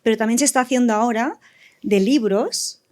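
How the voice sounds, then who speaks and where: A woman's voice: a little high, fairly quick, a little mellow. A woman speaking informally as a panelist in a casual discussion, tentative and often correcting herself as she explains her work. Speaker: audio fiction writer and panelist.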